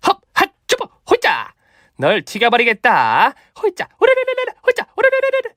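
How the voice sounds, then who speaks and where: Man voicing a feisty older mother, pitched up. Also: animated, normal speed, a bit bright, no echo, studio quality. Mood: frenzied battle cries. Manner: threatening, bossy, bombastic martial-arts bluster. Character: feisty, vengeful older mother running a chicken restaurant. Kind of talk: comic radio drama.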